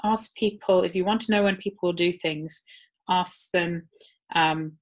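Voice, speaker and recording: Low-voiced woman presenting a webinar. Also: fairly even intonation, measured pace. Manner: conversational, frequent ums. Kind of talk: live webinar talk.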